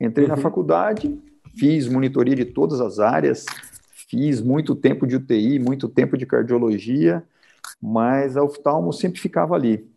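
A man with a medium pitch and a dark, mellow tone speaks with vocal fry. His intonation is lively and his pace moderate. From Goiânia, Brazil. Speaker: ophthalmologist. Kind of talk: interview. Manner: talkative, casual.

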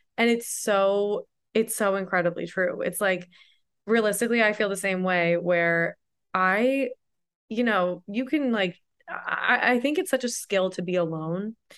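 A woman with an American accent talks at a fairly slow pace in a normal speaking voice. Her pitch is medium, with ordinary pitch variation. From Connecticut. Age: 20s. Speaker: meme account creator. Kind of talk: casual chat. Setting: video call.

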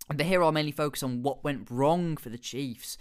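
In a British accent, someone talks at a fairly quick pace in an animated, enthusiastic tone over a very clean recording with a silent background. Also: man. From UK. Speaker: podcast host. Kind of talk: casual sports commentary monologue.

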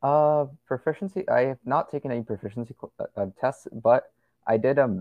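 A man speaks with a General American accent and ordinary pitch variation. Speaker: guest, Japanese learner. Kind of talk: casual interview chat. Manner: halting, filler-heavy.

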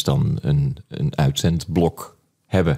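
A man's very deep, low-pitched voice. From Brabant. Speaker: podcast co-host. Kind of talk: casual chat.

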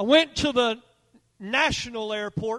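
Against a quiet background, a man with an Oklahoma accent speaks at a moderate pace in a bright, sharp tone, with a dry, close sound that has no echo. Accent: Oklahoma Southern-Midland American. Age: 50s. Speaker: preacher. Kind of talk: sermon.

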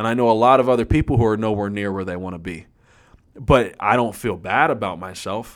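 With an American accent, a man talks at a fairly quick pace in a plain, everyday voice, his pitch fairly low with ordinary variation. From Erie, Pennsylvania. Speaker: podcast host, financial services professional. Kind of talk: solo motivational monologue. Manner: casual, with fillers and repetitions.

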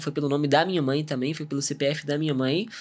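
This is a man with a normal speaking voice. His pitch is fairly high and his intonation fairly even. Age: 20s. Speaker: e-commerce entrepreneur and course creator. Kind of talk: interview conversation.

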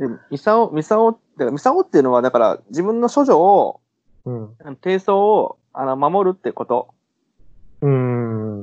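A man with a high pitch speaks at a moderate pace, his voice making very wide pitch swings, with long, frequent pauses. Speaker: podcast co-host. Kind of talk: casual chat. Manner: halting.

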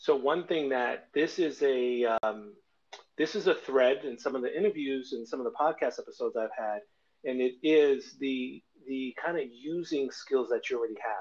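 An ordinary speaking voice with an American accent moves at a moderate pace with ordinary pitch variation. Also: man, fairly high pitch for a man. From Brooklyn, New York; Haitian parents. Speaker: podcast host. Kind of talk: interview.

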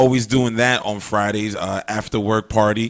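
This man has an unremarkable speaking voice. His pitch is fairly low, his pace fairly slow, and his intonation fairly even. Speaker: DJ. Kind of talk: casual chat.

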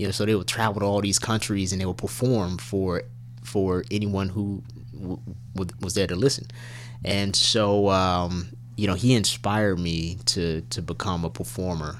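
With a very deep, low pitch and lively intonation, a man speaks amid audible room echo. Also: moderate pace. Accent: American. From Atlanta, Georgia, US South. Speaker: actor and father. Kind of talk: interview. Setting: sparring gym.

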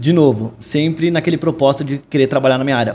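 Speaking at a fairly quick pace with ordinary pitch variation, a man uses a plain, everyday voice. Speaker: startup co-founder and business director. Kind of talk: casual interview chat.

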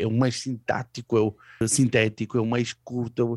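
A man with a medium-pitched voice talks at a moderate pace, recorded dry and close with no echo, very clean, over a silent background. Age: 40s. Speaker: comedian. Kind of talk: casual chat.

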